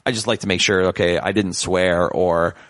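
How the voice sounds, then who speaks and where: Man, from Canada, podcast guest, casual chat, animated, rambling, self-mocking, dry close sound. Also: sits low, normal speed, no room sound. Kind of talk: casual conversation.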